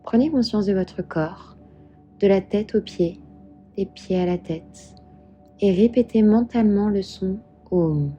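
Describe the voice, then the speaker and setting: A woman guiding a meditation as a yoga instructor, calm and soothing, giving measured instructions. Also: medium pitch, dull audio. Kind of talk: guided meditation narration. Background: soft background music.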